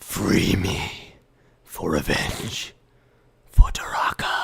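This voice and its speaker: A raspy put-on character voice drags along at a very slow pace. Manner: dark, menacing.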